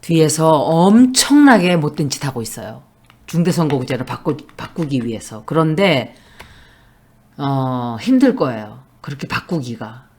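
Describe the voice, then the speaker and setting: A woman's voice: low-pitched, very animated, unhurried, darkish tone, breathy edge. A woman giving a tarot reading in a monologue, making blunt, emphatic predictions. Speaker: tarot reader.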